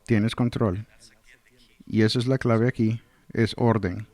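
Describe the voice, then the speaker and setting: A man's voice: lowish voice, fairly even intonation, slow pace, mellow, no echo. A man delivering a verse-by-verse sermon in translation, earnestly reading scripture and explaining it. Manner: earnest, explanatory, reads scripture then comments. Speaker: Spanish translator of a pastor's sermon.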